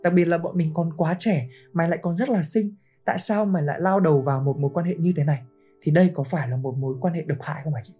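A woman hosting a casual podcast, telling a story about a friend with lively quoted lines. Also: low-pitched, fast talker, soft background music. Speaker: podcast host.

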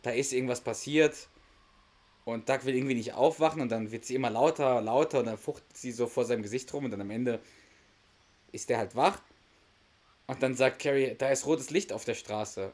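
Laughing German podcast host retelling a sitcom. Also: male voice, mid-range voice, darkish tone. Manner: laughs often, acts out the characters' lines while retelling. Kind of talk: casual podcast chat retelling a sitcom episode.

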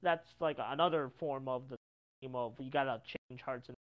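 A podcast co-host talks over a voice call, rambling and trailing off while hunting for words. The audio is quiet and dull, and it keeps cutting out in short dropouts. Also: medium pitch, normal speed. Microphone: computer mic over a voice chat app.

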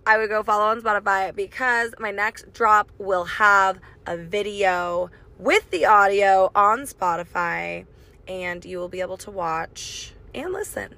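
A raspy young woman hosting a casual solo podcast, chatty and swearing freely, recorded on a phone mic in her car. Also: medium pitch, a little slow, pushed and bright. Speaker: podcast host. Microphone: phone microphone.

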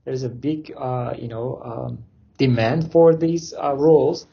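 A man's voice: medium pitch, measured pace, gravelly, breathy edge, highs cut off. A man from Turkey speaking English, answering interview questions casually with loose phrasing and many fillers. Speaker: interview guest, company founder.

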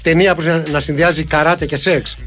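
High-voiced man joking on a show. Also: steady tone, a bit bright, soft background music. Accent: Greek. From Greece. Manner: playful, teasing, mock-serious. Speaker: co-host. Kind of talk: comedic banter.

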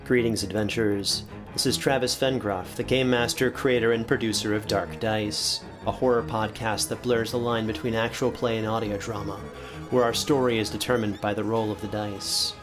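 A man's voice: fairly low pitch, steady tone, normal speed, few pauses. A man giving scripted, dramatic narration as a podcast host and game master. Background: music.

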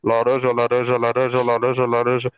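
A man voicing a male street caller on an orange truck's loudspeaker, repeating one word in a monotone. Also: medium pitch, brisk, muffled recording, slight background noise, pitched below the performer's own voice, lightly acted.

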